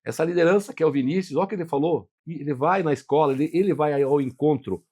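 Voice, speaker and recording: A Brazilian man hosting an interview program, his voice sitting a bit higher than most men's. He speaks with upbeat enthusiasm, affirming his guest and turning to address the listeners directly. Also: fast talker, darkish tone. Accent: Brazilian Portuguese. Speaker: podcast host.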